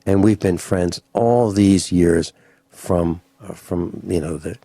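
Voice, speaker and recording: With a low, mellow voice and an unhurried pace, a radio host in his sixties chats casually in an interview, wandering off with fillers and restarts. There's no echo on the recording.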